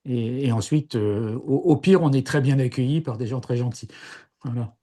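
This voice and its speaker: A man's voice: mid-range voice, normal speed, dark tone. A man in his sixties from Paris, recounting his past in an interview, hesitant with many fillers and restarts. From Paris, France. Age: 60s. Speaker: interviewee, former seminarian. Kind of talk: casual interview testimony.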